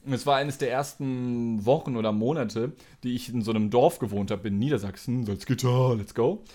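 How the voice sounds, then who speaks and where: A young man from Germany in casual podcast chat, teasing his friends and telling animated stories. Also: medium pitch, brisk. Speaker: podcast co-host.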